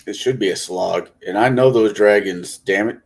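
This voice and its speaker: A man's voice: on the low side, moderate pace. A man giving his answers as a panelist in a casual discussion among tabletop gamers.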